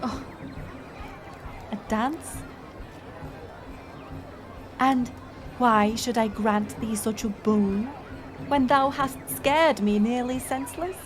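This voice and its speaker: Curious, wry village woman, acted by a woman: high voice, slow measured archaic speech, teasing, music behind. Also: a faint crowd. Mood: startled, teasing. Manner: teasing, measured, formal old-fashioned phrasing. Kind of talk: intimate archaic-speech audio roleplay.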